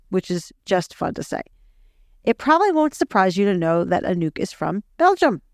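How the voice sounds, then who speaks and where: Woman, podcast host, enthusiastic, slightly high voice, dry sound. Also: no echo. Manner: upbeat, enthusiastic. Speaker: podcast host and executive coach. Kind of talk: scripted intro and interview questions.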